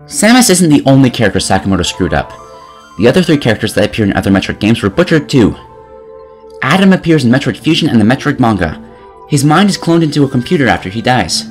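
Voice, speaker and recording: A man narrating a scripted comedic game review in an exasperated, sarcastic way. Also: medium pitch.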